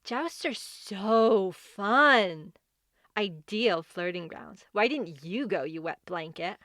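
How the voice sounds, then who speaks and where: A woman's voice: medium pitch, animated, slow, fairly bright tone, no room sound, clean studio sound. A woman playing a brash, teasing, talkative fairy godmother in a fantasy comedy audio drama. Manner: flippant, exclamatory, teasing.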